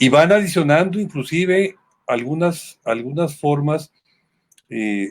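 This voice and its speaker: A man's fairly high voice, very slow, with lively intonation and long, frequent pauses. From Mexico. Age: 70s. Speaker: poet. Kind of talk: interview. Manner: halting, many repetitions.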